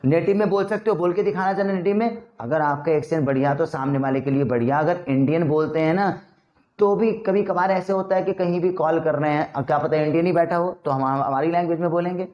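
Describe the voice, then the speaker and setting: A man's voice: fairly high pitch, steady tone, quick pace, a little mellow, lo-fi sound. A young man with an Indian accent giving a casual spoken lesson on job interviews, acting out both sides of the exchanges. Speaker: interview trainer.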